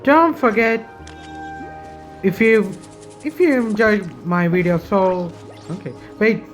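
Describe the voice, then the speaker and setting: Slow, halting gamer reacting casually. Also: mid-range voice, faint music behind. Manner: halting, repeats phrases. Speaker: gamer, channel host. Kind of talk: casual game reaction commentary.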